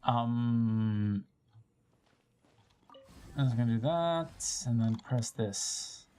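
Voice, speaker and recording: A woman's voice: a bass voice, very slow, mellow, smooth. A woman giving casual commentary as she streams a game, thinking aloud with playful exasperation and plenty of swearing. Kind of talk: casual gameplay commentary, talking to self.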